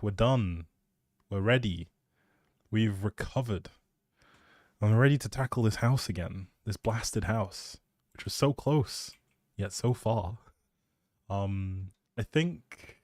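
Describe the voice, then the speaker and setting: A man's voice: on the low side, darkish tone, dry recording. A man chatting casually as a live streamer, rambling in a playful, self-deprecating way into a close microphone.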